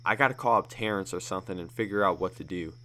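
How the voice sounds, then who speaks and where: A man voicing a tough, threatening young male gang member who swears and shouts in a raised voice. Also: sits low, fast. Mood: tense. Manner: loud, swearing, aggressive.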